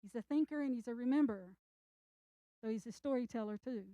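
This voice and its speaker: A woman's voice: on the high side, warm tone, no echo. An older woman author giving an earnest, encouraging talk to an audience at a library event. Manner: earnest, encouraging, speaks slowly with emphasis. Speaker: children's book author.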